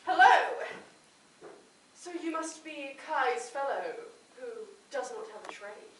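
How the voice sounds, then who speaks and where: Distant and very echoey, a woman acts a pompous, distractible lord on a pantomime stage. The delivery is slow and theatrical, with high, swooping intonation. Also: lively intonation. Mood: amused, curious. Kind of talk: amateur comic pantomime stage acting. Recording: echoey hall, distant mic, faint noise.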